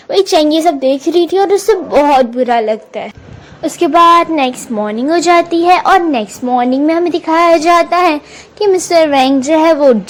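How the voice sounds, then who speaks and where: Casting: female narrator with a high voice, casual drama recap, slips in English words. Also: a little mellow, rough recording. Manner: retells scenes, quoting characters briefly; mixes English words into speech.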